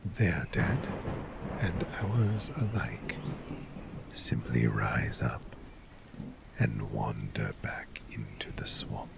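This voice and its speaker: A man playing a cynical, world-weary fort official in a soft-spoken ASMR fantasy role play, measured and sardonic, sometimes dropping toward a whisper. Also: rumbling low, big pitch swings, vocal fry, background noise, heavily acted. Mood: grim, wry.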